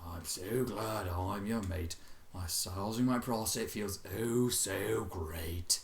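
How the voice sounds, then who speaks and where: A reader voicing a glum, bitter young pony colt with a flat, expressionless delivery in a story reading. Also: low-pitched, takes it slowly, pitched below the performer's own voice. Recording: echoey untreated room.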